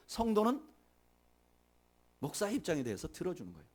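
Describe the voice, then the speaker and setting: A middle-aged man preaching a sermon as pastor, rising loud on key points and dropping soft, and leading the congregation in reading aloud. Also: a little high.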